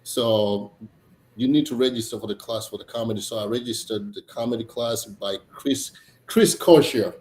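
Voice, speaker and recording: A man from Tanzania, a comedian chatting casually as a guest, halting, with many fillers and restarts. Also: lowish voice, darkish tone. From Tanzania, East Africa. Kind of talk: casual interview chat. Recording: echoey room, faint noise.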